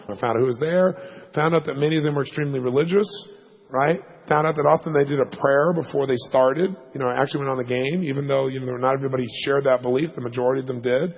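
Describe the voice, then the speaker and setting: A man telling a story to a live audience as a motivational speaker, fast and punchy, checking in with "right?" asides. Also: on the high side, gravelly, darkish tone, husky. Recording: long hall reverb.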